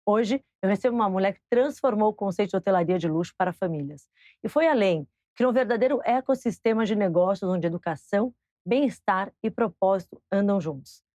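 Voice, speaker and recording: A woman's voice: mid-range voice, lively intonation, quick pace, mellow, dry recording. A woman whose first language is Portuguese, hosting an interview show, moving from a scripted introduction to casual chat. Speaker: talk show host.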